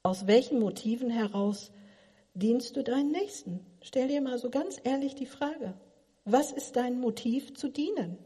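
A woman's voice: on the high side, unhurried, dark tone, breathy edge. A middle-aged woman giving a sermon, asking her listeners earnest, probing questions. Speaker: preacher. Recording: long hall reverb.

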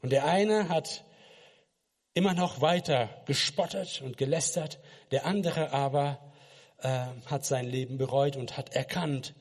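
A man's voice: medium pitch, measured pace, husky, big-room sound. A man from Kazakhstan, a missionary preacher, giving an earnest personal faith testimony and speaking directly to the listener.

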